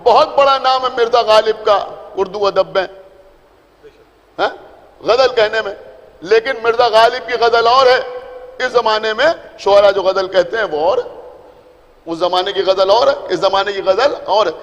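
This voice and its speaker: A Shia preacher with a high, fairly bright voice and a Lucknow Urdu accent addresses a seated majlis congregation in a large imambara hall. He pauses often, explains simply, repeats his points and checks that listeners follow. The audio is dull, and the hall is reverberant.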